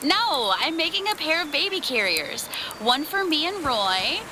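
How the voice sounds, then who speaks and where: An actress playing an upbeat, devout, homey young wife in an audio fiction podcast. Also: female voice, high-pitched, very animated, unhurried, noisy background. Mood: cheerful.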